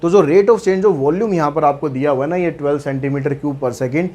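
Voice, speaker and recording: A man's voice: fairly high pitch, moderate pace, dark tone. A man teaching maths, walking through worked problems in a chatty way with asides and jokes. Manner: chatty, mixes English terms into speech, light jokes.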